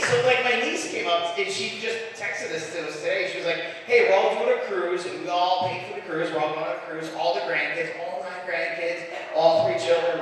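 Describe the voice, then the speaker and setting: A middle-aged man performing an animated stand-up routine, telling stories about his family. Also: high-pitched. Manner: animated storyteller, bursts into shouting impressions. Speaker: stand-up comedian. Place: comedy club stage. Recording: echoey club heard from far off.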